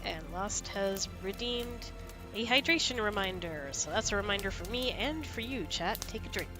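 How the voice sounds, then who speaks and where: A woman's voice: medium pitch, expressive, normal speed, music in the background. A woman chatting casually with her live viewers while sick, rambling and laughing easily. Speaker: streamer.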